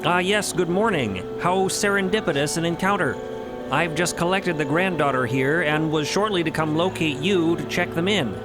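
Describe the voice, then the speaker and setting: A performer voicing a brisk, cheerful artificial being with precise, formal diction in an audio drama. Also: medium pitch, music in the background, close to an everyday voice. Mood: jaunty.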